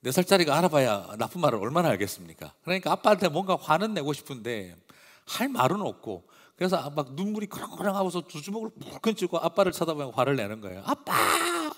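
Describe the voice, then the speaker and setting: A male pastor preaching a sermon in a church, emphatic and expressive, swinging between loud and hushed. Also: a little high. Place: church sanctuary. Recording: long reverb of a large hall.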